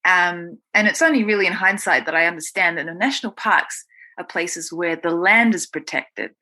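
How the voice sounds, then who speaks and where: A woman's voice: on the low side, moderate pace, bright, forceful tone. A woman with a New Zealand accent, telling her own story conversationally as an interview guest. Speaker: guest, writer.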